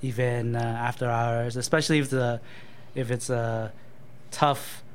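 A man answering interview questions at a mid pitch, slow to find his words, with pauses and fillers throughout. His tone is modest and reflective. Faint background noise sits behind him. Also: fairly even intonation. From born in Thailand to Cambodian parents, raised in Canada. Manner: hesitant, many ums and uhs, thoughtful pauses. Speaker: marketing manager and guest.

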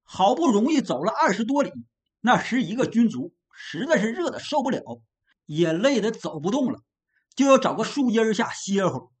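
A woman storyteller narrating a classic novel with a lively, expressive delivery. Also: on the high side, moderate pace.

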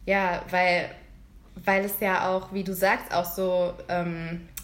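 A woman's voice: on the low side, flat delivery, takes it slowly, roomy sound. A young German woman in casual conversation, thinking aloud with many fillers. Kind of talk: casual chat.

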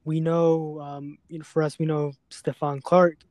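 A man hosting a serious podcast conversation, speaking earnestly and haltingly, often repeating words as he goes. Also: on the high side, flat delivery, darkish tone, no room sound. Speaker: podcast host.

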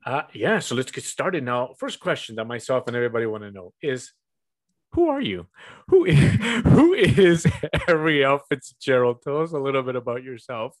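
A man's voice: medium pitch, sing-song, moderate pace. Upbeat guy hosting a chill podcast chat over video call, lots of ums and laughs. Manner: friendly, upbeat, with fillers and laughs. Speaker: podcast host. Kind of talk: casual interview.

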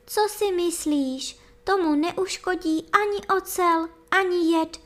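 A woman voicing a pale, sorrowful young princess, speaking high, soft and pleading in a storybook reading. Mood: tearful pleading.

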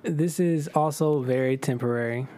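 A man's voice: medium pitch, normal speed, warm tone, slight background noise. A man from Toledo with an African American accent, talking casually among friends. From Toledo, Ohio, USA. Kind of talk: casual group chat.

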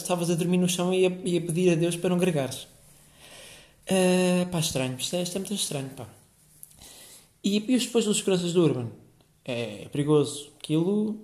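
A man's voice: a little high, a little mellow. A young man with a European Portuguese accent hosting a casual solo podcast, rambling and swearing freely with lots of filler words. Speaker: podcast host. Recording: echoey room.

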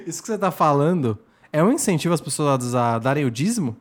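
A man chatting casually as a podcast co-host, his pitch swinging up and down as he talks. He is playful and teasing, and he laughs often. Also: sing-song, fast talker. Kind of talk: casual chat.

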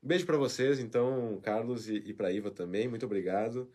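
A man's voice: mid-range voice, a little fast. A man hosting a live show, reading viewer comments in a chatty, emotional way with frequent tag questions. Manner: emotional, warm farewell talk with frequent "né?". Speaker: host.

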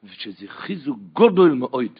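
A man preaching a Torah sermon as a rabbi, with an Ashkenazi Hebrew pronunciation and Yiddish words, moving from hushed teaching to fervent crying out. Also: medium pitch, very animated, breathy edge. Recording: muffled lo-fi recording.

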